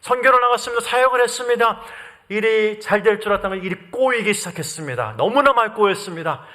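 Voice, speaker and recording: A man's voice: high-pitched, expressive, fast, bright, forceful tone. A middle-aged man from Korea preaching a sermon as a missionary, telling his story with earnest rhetorical questions to the congregation.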